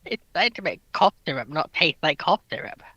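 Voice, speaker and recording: A man with a fairly high, very bright voice joins in as a panelist. His talk is casual and conversational, with a sharp edge to the tone. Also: big pitch swings, brisk, no room sound. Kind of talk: casual chat.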